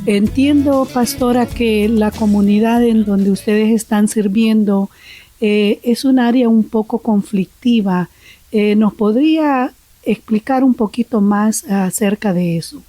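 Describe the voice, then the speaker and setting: A woman's voice: mid-range voice, a little slow, dry recording, soft background music. Courteous woman podcast host. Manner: formal, courteous, soft listening murmurs. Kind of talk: interview hosting.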